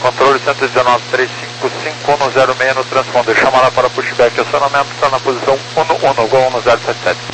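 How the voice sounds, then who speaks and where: A male pilot with a mid-pitched voice reads back clearances in radio phraseology. The radio channel has clear noise. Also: little pitch movement, quick pace, hardly any pauses. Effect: radio transmission. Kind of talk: aviation radio readback. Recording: noisy aviation radio with hum.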